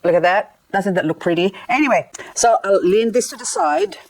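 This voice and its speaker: Here a middle-aged woman from the Philippines, a gardening vlogger, sounds very animated and a little creaky, her medium-pitched voice moving at a moderate pace. She's repotting succulents in a casual vlog, chatting playfully with self-deprecating asides, captured on a low-quality recording.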